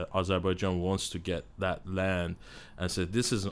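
A man speaks with an Iranian-Armenian accent at a fairly low pitch and moderate pace. The recording is very clean, with a silent background. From Iran, ethnic Armenian. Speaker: church member speaking on Armenia. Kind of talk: casual discussion. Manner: halting.

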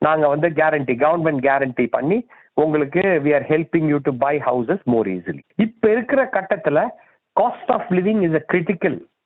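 A man with a normal speaking voice, fairly high pitch and lively intonation. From India, Chennai. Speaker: election candidate. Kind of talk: interview.

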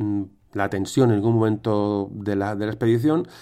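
A man speaks at a fairly quick pace and medium pitch. The recording is very clean, with a silent background. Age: 50s. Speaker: history podcaster. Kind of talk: history storytelling monologue. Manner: halting, many fillers.

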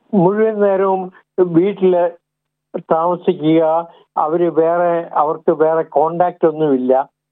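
The speaker is a man with a high pitch. His loudness is very even and his intonation fairly even. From Kerala, India. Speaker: retired psychiatrist. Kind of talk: interview. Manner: halting, frequent pauses.

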